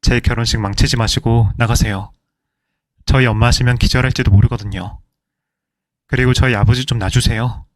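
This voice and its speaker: A man's voice: medium pitch, steady tone, brisk, pauses often, no echo, natural voice. A man voicing a cold, brazen young groom who speaks curtly and with contempt in a dramatized story reading. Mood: contemptuous. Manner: curt, contemptuous.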